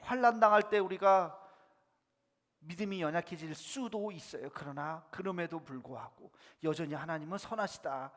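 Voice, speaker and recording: A man's voice: fairly high pitch, moderate pace, fairly bright tone, big-room sound. A man preaching a sermon as pastor, speaking emphatically and asking the congregation questions. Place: church sanctuary.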